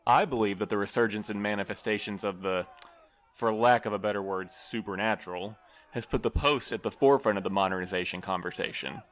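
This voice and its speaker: A man's voice: lowish voice, fairly quick, fairly bright tone, natural voice. A man playing a flustered, wordy office manager in an audio drama, formal and bureaucratic in manner. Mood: worried, explanatory.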